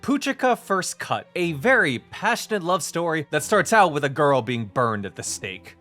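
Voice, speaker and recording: Animated male reviewer over soft music. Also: fairly high pitch. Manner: expressive, rising and falling delivery. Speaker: visual novel reviewer. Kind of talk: scripted review narration. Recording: voice-over with faint background music.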